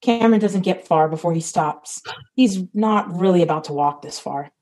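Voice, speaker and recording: A woman's voice: lowish voice, normal speed, a little mellow, rough recording. A woman reading the stage directions of a comedy script, matter-of-fact.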